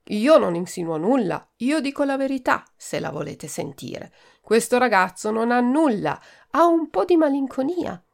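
A woman voicing a plain-spoken, kindly doctor who talks calmly and frankly. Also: on the high side, normal speed, gravelly, pitched above the performer's own voice. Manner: calm, frank, firm.

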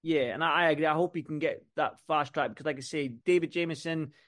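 Talking fast in a slightly bright voice on the high side, this British boxing podcast co-host keeps things casual. He rambles, repeats himself, stacks up lists, and often starts over.

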